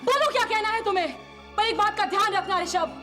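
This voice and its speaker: A woman's voice: extremely high pitch, fairly quick, loud music behind the voice. An actress playing a young woman who is hurt and unsure whom to trust, in a TV serial drama. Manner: hurt, wavering. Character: torn, tearful young woman, Shivani.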